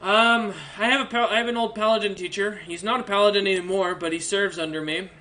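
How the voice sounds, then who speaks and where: A man voicing a massive male red orc emperor who speaks calmly and matter-of-factly, even about threats. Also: sits high, fast, pitched above the performer's own voice, rough recording. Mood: businesslike. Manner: calm, dry, matter-of-fact threats.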